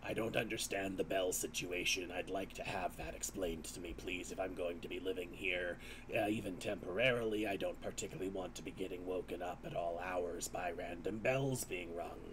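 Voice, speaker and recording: A man's put-on character voice, very deep and low, at a fairly quick pace with hardly any pauses, over loud background noise. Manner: formal, precise, irritable.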